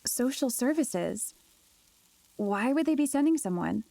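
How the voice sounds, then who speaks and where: A woman's voice: fairly high pitch, lively intonation, creaky, no echo. An actress playing a nervous, sheltered teenage schoolgirl in an audio drama, speaking hesitantly. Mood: shy, nervous. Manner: hesitant, soft-hearted, halting. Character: nervous, sheltered teenage schoolgirl, female, unsure but candid.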